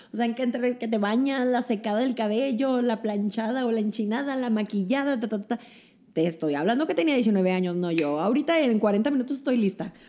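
A fairly high-pitched woman with an animated tone and lively intonation, fairly quick pace, very even loudness, and noticeable background noise. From Mexico, Guadalajara, Jalisco. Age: 30s. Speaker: model and TV presenter. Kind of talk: casual interview chat.

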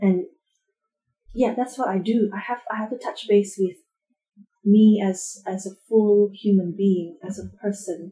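A woman's dark, mellow, somewhat breathy voice at medium pitch, fairly slow and fairly even, broken by long, frequent pauses. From Indonesia. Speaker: arts producer. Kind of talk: casual interview.

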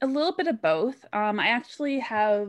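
A woman speaks at a moderate pace in a normal speaking voice with a Canadian accent and ordinary pitch variation. The recording is very clean, with a silent background. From Canada (Vancouver, BC). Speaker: author and publisher. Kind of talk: casual interview chat.

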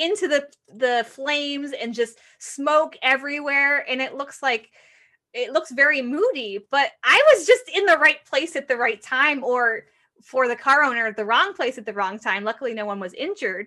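A woman with a high pitch projects a raised voice with a bright, sharp tone, lively intonation and big swings in loudness, in a very clean recording with a silent background. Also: moderate pace. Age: 30s. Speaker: photographer and author. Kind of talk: interview.

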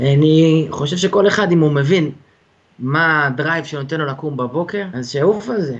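A man's fairly high-pitched voice, an ordinary speaking voice, with ordinary pitch variation at a moderate pace. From Israel, Ramat HaSharon. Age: 30s. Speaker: skateboarder, survival guide and author. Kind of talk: casual interview chat.

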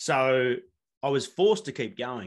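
Over a quiet background, a man with an Australian accent speaks at a medium pitch with lively intonation. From New South Wales, Australia. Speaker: business leader and surfer. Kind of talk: casual interview.

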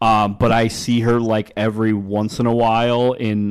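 A man speaks at a medium pitch in a flat, monotone delivery. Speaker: podcast co-host. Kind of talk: casual chat. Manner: loud.

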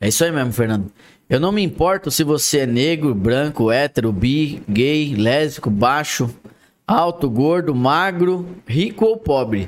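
A man with a plain, everyday voice speaks at a fairly high pitch with lively intonation and very even loudness. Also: fairly slow pace. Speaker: podcast co-host. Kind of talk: casual chat.

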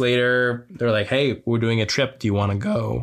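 A man with an unremarkable speaking voice and an American accent, medium pitch, fairly even intonation and moderate pace, on a very clean recording with a silent background. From Southeast Ohio, US. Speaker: documentary filmmaker and photojournalist. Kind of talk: casual interview.

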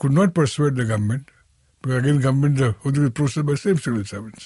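A male voice with a medium pitch and normal pitch movement. There is a slight airiness to it. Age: 70s. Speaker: economist. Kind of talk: interview conversation. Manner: halting.

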